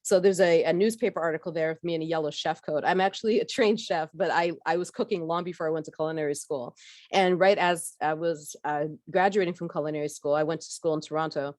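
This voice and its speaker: A woman's voice: low voice, steady tone, fast talker, a little mellow, no room sound, studio quality. A middle-aged woman from Barbados giving a conversational workshop talk about her background, with frequent fillers and restarts. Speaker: workshop speaker.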